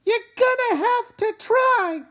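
Woman playing a firm, worried mother, high voice. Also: slow pace, fairly bright tone, full character voice. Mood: panicked. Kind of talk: dramatic comic read-aloud.

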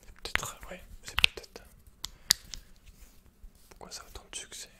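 A young adult speaker, male, voices a shopkeeper for ASMR, positioned close to the mic. His words come out hesitantly, in halting, low-key fashion.

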